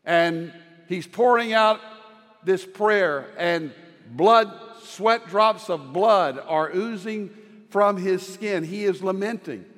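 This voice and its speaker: An older man, a pastor of many decades, giving a slow, earnest devotional sermon with emphatic repeated words. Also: high voice, a bit bright, big-room sound.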